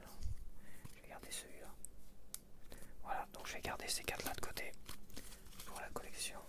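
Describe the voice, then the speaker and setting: A man whispering an ASMR video, thinking aloud casually in short, hesitant phrases. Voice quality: whispered, unvoiced. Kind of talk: ASMR, casual chat while sorting sticker packets.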